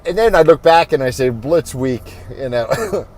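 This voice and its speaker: A man's voice: fairly high pitch, animated. Rambling man giving informal corporate training. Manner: rambling, thinking aloud, halting. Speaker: insurance agent giving training.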